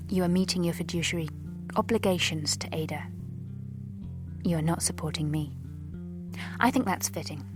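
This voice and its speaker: Casting: actress as restrained, wounded ex-wife in radio drama; slightly low, deliberate, dignified, over guitar music. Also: female voice, natural voice. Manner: measured, formal, deliberate short phrases. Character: hurt, dignified newly divorced wife, restrained and formal. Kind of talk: audio drama letter reading.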